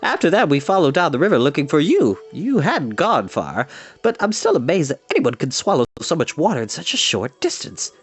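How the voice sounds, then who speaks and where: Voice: mid-range voice, wildly swooping pitch, a little fast, husky, voice pushed up, heavily acted. A reader voicing a rueful male bard who boasts and then corrects himself, wry and theatrical. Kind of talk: audiobook character voice.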